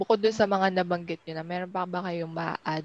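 In a dry, close sound with no echo, a woman talks at a moderate pace and medium pitch in an ordinary speaking voice. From Quezon City, Philippines. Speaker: podcast co-host. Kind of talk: casual chat.

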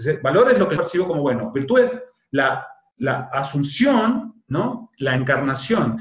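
A man with an Argentine accent, fairly high-pitched and fairly slow, with very wide pitch swings. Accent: Argentine Spanish (voseo). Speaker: psychologist. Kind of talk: interview.

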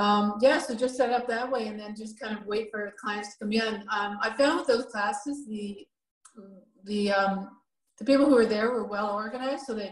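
A woman with a fairly high pitch speaks at a moderate pace, her intonation fairly even while her loudness swings widely. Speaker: personal trainer and gym manager. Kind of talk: casual interview.

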